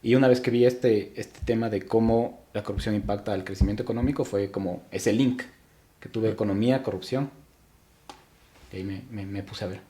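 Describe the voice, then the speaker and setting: A man's voice: fairly low pitch, steady tone, brisk, mellow. A young man from Ecuador, a podcast guest, talking reflectively in casual interview chat with frequent restarts.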